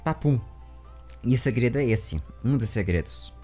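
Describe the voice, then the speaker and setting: A man's voice: medium pitch, lively intonation, moderate pace, dark tone, soft background music. A man in his twenties with a Brazilian accent, casually hosting an online interview and chatting to viewers. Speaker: interviewer and channel host. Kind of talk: casual video chat with viewers. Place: small room with bookshelves. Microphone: large studio microphone up close.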